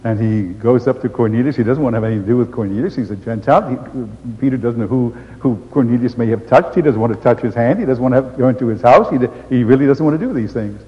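An older man giving an animated storytelling testimony, acting out the voices he quotes. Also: mid-range voice, quick pace, hardly any pauses. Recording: dull sound with long hall reverb.

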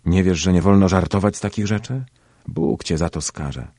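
Stern old lady scolding, pious, guy reading it, low husky voice. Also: moderate pace, darkish tone, no echo, clean studio sound. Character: old female Italian neighbor, stern and pious.

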